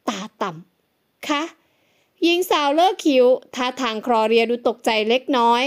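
A woman narrating a romance drama audio novel in a smooth, even storytelling manner. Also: sits high.

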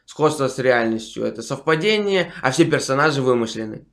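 A man's voice: mid-range voice, animated, a little fast, a little hiss or hum. A young man, a vlogger, talking slyly and provocatively on a webcam video chat from a small room. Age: young adult. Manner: sly, teasing, provocative. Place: small room lit blue indoors. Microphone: webcam video call.

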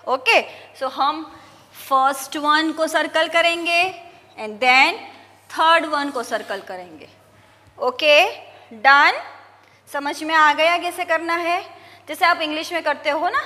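A woman teacher going slowly and patiently through a lesson for young pupils, mixing English words into her talk. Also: high-pitched, pushed and bright, big-room sound.

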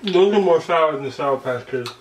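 A woman's voice: low-pitched, animated, normal speed, distant mic. A young woman chatting casually as she eats sour candy, hosting a challenge at home. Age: young adult. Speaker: host of a family candy challenge. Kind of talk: casual chat. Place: indoor room, seated before a curtain backdrop. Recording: echoey room, clear noise.

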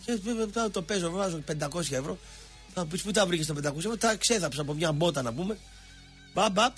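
A man's voice: high voice, animated, faint music behind. A middle-aged man, hosting a radio show with a sarcastic, rambling satirical rant. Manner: sarcastic, ranting, mocking voices. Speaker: radio sports show host.

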